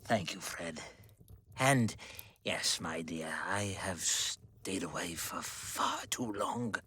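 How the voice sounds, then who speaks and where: Man acting an exuberant old gentleman, wildly expressive. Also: sits low, slow pace, breathy edge, exaggerated voice. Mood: humble, tender. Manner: effusive, theatrical, swinging between hushed and exuberant. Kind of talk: radio play acting.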